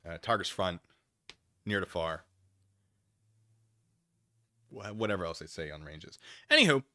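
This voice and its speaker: A man chats casually as a livestream host, rambling in a wry way. His voice sits a little low yet has a crisp, bright edge. The sound is dry and close, with very little room on it. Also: expressive, measured pace, dry recording. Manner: wry, rambling, acts out imagined exchanges. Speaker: livestream host reading and answering chat. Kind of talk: casual chat with livestream viewers.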